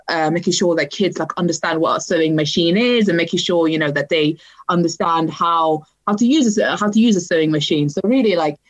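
A young woman from Libya who grew up in Sweden, talking casually as a podcast guest, with many fillers and restarts. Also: on the low side. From Libya, raised in Sweden. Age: young adult. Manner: chatty, many fillers and restarts, laughs lightly. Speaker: podcast guest, writer and activist. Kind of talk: casual interview chat.

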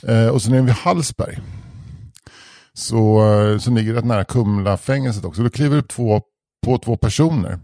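Dark-voiced man telling a rambling story. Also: on the low side, dry recording, studio quality. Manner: rambling, self-interrupting, swears casually. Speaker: podcast co-host. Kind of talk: casual chat, anecdote telling.

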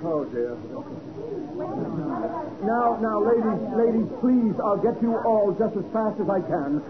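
A flustered, stammering store clerk. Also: male voice, high voice, expressive, unhurried, loud music behind the voice. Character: flustered male perfume counter clerk, meek. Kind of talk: 1940s radio acting. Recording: tinny old radio broadcast recording.

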